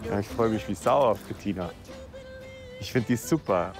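A man's voice: fairly low pitch, animated, normal speed, over music. A man with a Bavarian accent, an enthusiastic guest chatting casually. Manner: enthusiastic, chatty, asks many questions.

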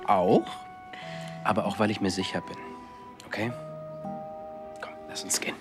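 A woman's voice: very deep voice, fairly even intonation, moderate pace, over music. A woman acting in a naturalistic TV drama as a playful, reassuring partner, talking in a coaxing, colloquial way.

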